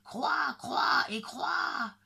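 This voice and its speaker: A woman's voice: high voice, animated, drawn-out words, creaky, bright, forceful tone, voice pushed up, exaggerated voice. A woman voicing small forest creatures in a storybook with repeated onomatopoeic syllables. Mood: raucous. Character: small forest animals: pecking, buzzing, cawing, chattering creatures.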